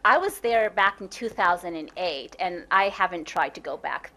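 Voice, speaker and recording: A woman answering audience questions after a talk, talking quickly with many restarts and "like". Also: lowish voice, animated, pushed and bright, low-quality recording. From United States. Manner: talks fast, with frequent restarts and "like". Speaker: guest speaker. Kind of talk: lecture Q&A answers. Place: lecture room.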